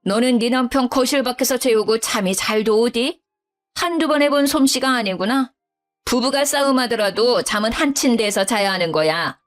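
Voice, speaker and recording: A bossy older mother-in-law, scolding and condescending, her voice pitched high and sharp with indignation, as a woman storyteller puts her on. She nags without letting up, the way a storybook matriarch lectures the young wife she looks down on. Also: moderate pace, faint music behind, natural voice. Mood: sneering.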